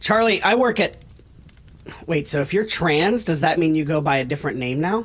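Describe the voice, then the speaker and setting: A put-on character voice, raspy and middle-pitched, delivered at a moderate pace. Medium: audio drama. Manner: casual, chatty.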